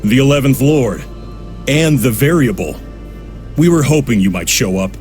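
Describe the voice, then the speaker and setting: Guy doing cold formal game boss villain, measured, mid voice, quiet music behind. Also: medium pitch, animated, lightly acted. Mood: quietly menacing. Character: cold, businesslike male villain boss, calmly threatening. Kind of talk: video game voice acting.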